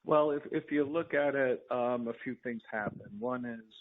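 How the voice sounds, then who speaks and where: A man speaking as a company executive, answering questions on an earnings conference call in a halting way with repeated words. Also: medium pitch, a little hiss or hum. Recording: tinny narrow phone line.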